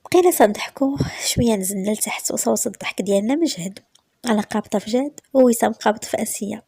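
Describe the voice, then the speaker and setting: A woman with a Moroccan accent narrating a romance story in the first person, in a soft, often whispered delivery. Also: a little high, expressive, fast talker, slightly rough, no echo.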